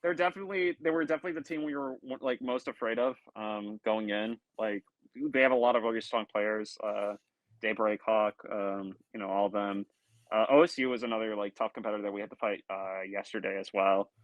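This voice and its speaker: Young male student player, lowish voice, dry sound, halting answers with lots of ums. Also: fairly even intonation, no room sound, dull audio. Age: young adult. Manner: hesitant, many likes and ums. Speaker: college esports team player. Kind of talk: casual interview answers. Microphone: earbuds or headset on a call.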